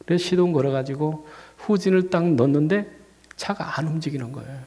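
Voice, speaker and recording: A male senior pastor, battling a cold and dizziness, recounts a personal story during a sermon in a church sanctuary, captured with long church reverb. His voice is a little high with a dark tone, and his brisk, conversational delivery surges to emphatic peaks at key moments.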